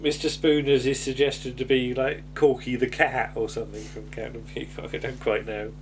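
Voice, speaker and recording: A man's voice: mid-range voice, level tone, normal speed, background noise. A man chatting casually as he reviews an episode, hesitant and rambling, often ending on tag questions. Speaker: podcast host.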